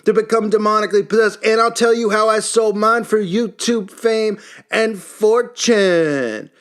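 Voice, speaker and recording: Male performer as brash young YouTuber guy, pitched very high, hyped and pushy, mock online-video intro style. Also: a little slow, fairly bright tone.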